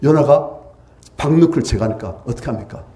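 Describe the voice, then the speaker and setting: A man preaching a revival sermon in a church, pleading loudly at times and dropping to hushed near-whispers at others. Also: mid-range voice, fairly quick. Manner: impassioned, swings from loud pleading cries to hushed near-whispers. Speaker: pastor. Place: church sanctuary.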